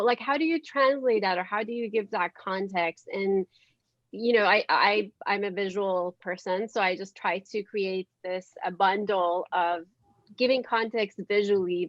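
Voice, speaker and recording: A woman with a mid-pitched voice explains things in casual conversation, often halting to search for words. The sound is dry and slightly dull. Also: no echo. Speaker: panel guest, dramaturgy collaborator. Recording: dry but dull call audio.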